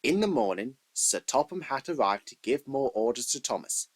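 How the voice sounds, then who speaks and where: A male narrator reads a children's story about trains in scripted storybook style. His voice is somewhat husky and sits at a medium pitch for a man. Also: big pitch swings, moderate pace.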